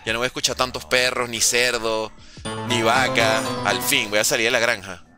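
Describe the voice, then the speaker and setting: Music plays under this Venezuelan gaming streamer as he talks at a normal speed in a medium, level voice. He's at home in a room with a window, reading chat aloud and kidding around with viewers during a casual live stream.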